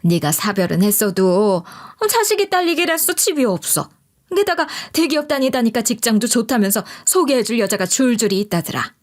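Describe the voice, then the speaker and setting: A woman's voice: mid-range voice, close to an everyday voice. A woman narrator voicing a pushy older mother who insistently nags her grown son with pointed questions. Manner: scolding, insistent, rhetorical questions.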